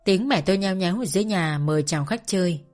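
A woman reading a first-person story aloud in a calm, measured narration. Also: fairly low pitch. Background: faint music.

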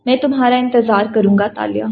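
A woman voicing a calm, scheming older man, a king who speaks gently and with regret, in a storybook reading. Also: a little high, creaky, narrow, tinny audio, slight background noise.

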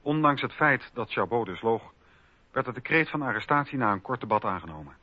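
A man's voice: medium pitch, lively intonation, brisk, no echo. A man narrating history from a script for a documentary radio play. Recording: dull radio recording with faint music.

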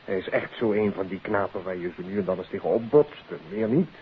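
A man's voice: on the low side, quick pace, slight background noise, lightly acted. A man acting an uneasy, defensive young man in a 1950s radio drama, explaining himself politely and anxiously. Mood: apologetic, uneasy. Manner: polite, anxious, self-justifying. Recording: muffled phone-like 1950s radio recording.

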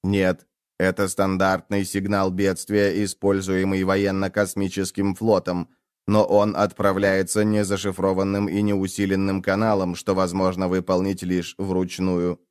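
Man as a low, slow, formal machine gadget, detached, dry close sound. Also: completely flat delivery, clean tone, no room sound. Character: calm formal male machine gadget, the pioneer.

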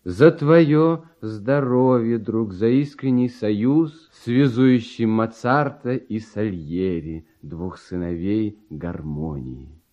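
An actor playing a lighthearted, trusting young genius composer, speaking verse lyrically and theatrically in a classic Russian radio drama. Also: male voice, lowish voice, slow, few pauses, warm tone. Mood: solemn, warm. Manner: lyrical, theatrical verse delivery with sweeping intonation. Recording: dull, muffled archival radio recording.

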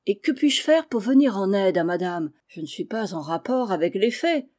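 A woman reading aloud, voicing a good-hearted, quick-witted maidservant. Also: medium pitch, expressive, a little mellow, natural voice. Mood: sly. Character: kindly clever maidservant.

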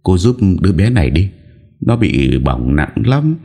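Man voicing a young servant, kind, earnest, anxious, very deep voice. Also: sing-song, unhurried, warm tone, slightly rough, exaggerated voice.

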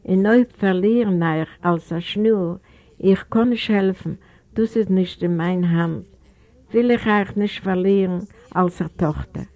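Old broken man, pleading, earnest, gravelly, low, woman reader doing him, storybook. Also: warm tone, lo-fi sound.

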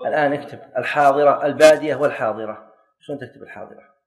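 A man's voice: mid-range voice, very fast. A man teaching a classroom lesson, quizzing and correcting students and joking lightly. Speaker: teacher of Islamic jurisprudence.

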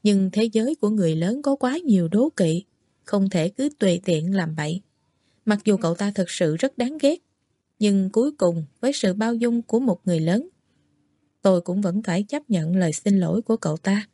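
A woman narrates a novel in the first person at an even, measured pace. Her voice is mellow and warm. The recording is close and dry. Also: medium pitch, dry recording. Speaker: audiobook reader.

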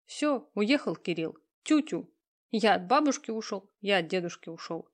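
A woman voicing a hurt, tearful young woman who answers slowly and stubbornly. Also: medium pitch, lively intonation, lightly acted. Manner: slow, subdued, stubborn replies. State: tearful, sniffling.

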